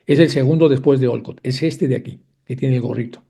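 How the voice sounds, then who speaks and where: Man lecturing with a gravelly, dark voice. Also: mid-range voice, a little fast. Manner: reads aloud a long first-person account with frequent restarts. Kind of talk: lecture reading from a text.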